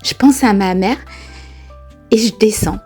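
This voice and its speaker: A woman vlogger telling a personal spiritual experience in a casual, lively way, often laughing and exclaiming. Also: medium pitch, unhurried, husky, soft background music. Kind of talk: casual first-person storytelling.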